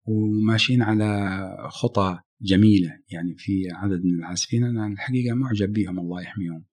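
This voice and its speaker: A middle-aged man with a husky, somewhat low voice. He talks quickly in a casual interview, reflective, breaking off and restarting his phrases as he thinks. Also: darkish tone. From Saudi Arabia. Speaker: musician guest.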